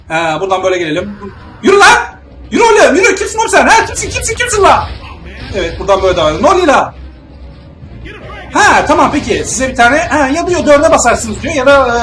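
A young man giving let's play commentary on a video game, swinging between muttered remarks and sudden yelling and swearing at the enemies. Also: high-pitched. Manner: excitable, yells and swears at enemies, then mutters calmly. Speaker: gamer playing a video game. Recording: roomy echo with faint game music.

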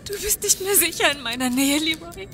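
An actress playing a tormented, seductive woman with a dark hunger in a radio play, breathy and pleading. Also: very high voice, animated, a little fast, exaggerated voice. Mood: frightened, tearful. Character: tormented seductive woman fighting a hunger to bite her lover.

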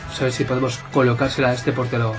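A man with a Spain Spanish accent, giving excitable, jokey gameplay commentary and bantering with his viewers. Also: mid-range voice, very fast, faint music behind. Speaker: gaming YouTuber.

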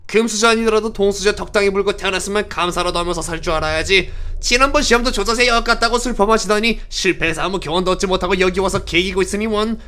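A man's voice: sits high, quick pace, hardly any pauses, pushed and bright. A man voicing a foul-mouthed, cantankerous old granny who scolds and rants in a comic webtoon dub, with music behind. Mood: scolding.

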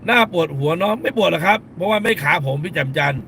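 A middle-aged man hosts a live stream from a car, speaking in a gravelly, somewhat high voice with a sharp, forceful edge. He is blunt and scolding, uses crude slang and hammers points home by repeating phrases. Faint road noise sits behind him. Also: expressive, quick pace. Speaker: lawyer and live-stream host. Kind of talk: casual live-stream commentary.

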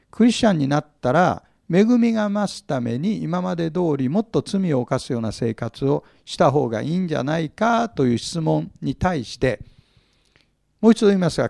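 A male pastor teaches from the Bible in a somewhat high, gravelly voice with a darkish tone, recorded at studio quality with no echo. He often puts questions to his audience, hits words with force, and acts out little humorous scenes.

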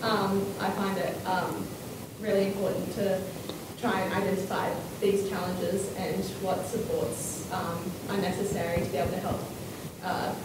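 A woman's voice: fairly low pitch, flat delivery, normal speed, heavy background noise. Young woman asking from a distant, echoey room. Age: young adult. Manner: hesitant, many fillers. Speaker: audience member asking a question. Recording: distant audience mic in an echoey hall.

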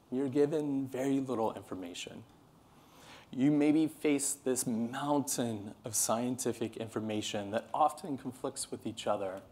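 A man in his thirties from California with an American accent, giving an earnest, passionate conference keynote to a seated audience. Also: medium pitch. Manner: earnest, animated, passionate delivery. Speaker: keynote speaker. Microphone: podium microphone, moving around the stage.

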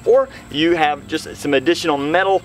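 Here a middle-aged man presents a home improvement lesson on camera, laying out practical steps plainly. His voice runs on the high side at a moderate pace, with soft background music.

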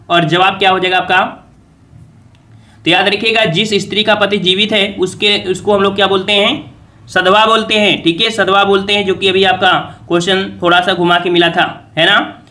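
A man's voice: high-pitched, pushed and bright. A man teaching an exam revision lesson, quizzing viewers and repeating each answer as a question.

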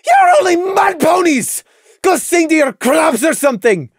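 A woman's voice: very high-pitched, huge pitch swings, a little slow, dry recording, shouting, studio quality, pitched above the performer's own voice, heavily acted. A woman voicing a bitter, despairing young female pony in an audio story, ranting tearfully and spitefully. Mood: spiteful rage.

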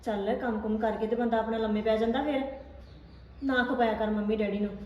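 A woman playing a caring elder sister who gently lectures her brother. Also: on the high side, steady tone, a little fast, recorded from a distance, muffled recording, lightly acted. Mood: lecturing. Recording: echoey room, faint noise.

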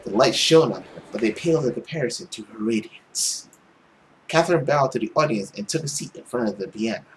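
A young man reading a visual novel aloud in a theatrical, expressive storytelling style. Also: medium pitch, brisk, slight background noise, rough recording. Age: young adult. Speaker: gaming video host. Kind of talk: dramatic read-aloud narration of a visual novel. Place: small room at home, indoors. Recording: loud music under the voice. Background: loud game music.

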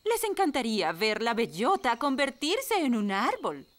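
A woman's voice: fairly high pitch, big pitch swings. A woman voicing a mischievous, bossy fairy nanny in a cartoon dub, theatrical, with a Latin American Spanish accent. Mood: eager, confident. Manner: theatrical, brisk know-it-all.

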